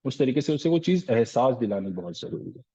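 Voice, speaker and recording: Male sales trainer at a live session: quizzes his listeners and answers himself, calls them "sir", low-fidelity recording. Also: big pitch swings, brisk, dark tone, lo-fi sound. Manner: asks rhetorical questions and answers them, often says "sir".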